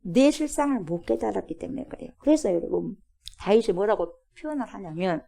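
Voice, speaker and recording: A woman's voice: medium pitch, lively intonation, brisk, gravelly, mellow. A woman pastor preaching at a Friday prayer service. She asks the congregation questions and drops to a whisper at times. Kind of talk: sermon. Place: church.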